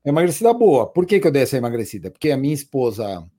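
A man talking in a relaxed, chatty way, repeating words for emphasis. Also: mid-range voice, fast. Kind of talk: casual chat.

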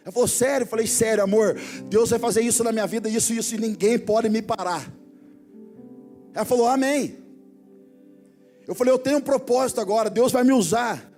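A Brazilian man preaching in a church, his voice unusually high for a man. He tells stories casually, dropping to quiet asides, then builds to loud exhortation. Soft music plays faintly behind him. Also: a little fast, pauses often. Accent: Brazilian Portuguese. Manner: storytelling, swings from hushed asides to loud exhortation. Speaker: pastor. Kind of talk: sermon. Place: church hall before a congregation.

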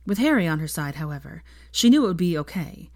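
A woman with a fairly low voice reads a story aloud, narrating steadily. She gives each character a small shift in pitch as their lines come up. The sound is dry and close, with no room echo. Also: very animated, fast talker, a little mellow. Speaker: fan fiction reader.

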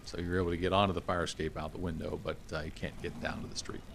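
A man's voice: low-pitched, little pitch movement, fast, gravelly, fairly bright tone, soft background music. A middle-aged man improvising narration as game master of a casual tabletop game, prompting his players in an informal, easygoing way.

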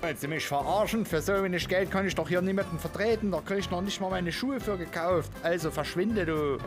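A man's voice: high voice, brisk, music in the background, pitched above the performer's own voice, lightly acted. A man voicing a haughty, scolding lawyer in an audio drama. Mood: scornful. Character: shrill, contemptuous, snobbish lawyer turning clients away.

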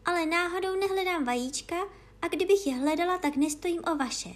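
A woman voicing a polite young girl in a storybook reading, with a raised, drawn-out, indignant girlish voice. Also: very high-pitched, voice pushed up. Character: young girl, polite but easily offended.

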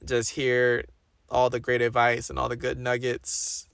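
A young man with a slightly raspy voice, chatting casually and rambling through a solo podcast in slangy talk, repeating phrases for emphasis. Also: mid-range voice, completely flat delivery, measured pace, fairly bright tone, no echo, clean studio sound. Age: young adult. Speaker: podcast host.

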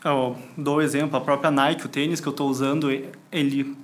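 A man's voice: mid-range voice, level tone, moderate pace. A man with a Brazilian accent speaking casually as an entrepreneur guest in an interview.

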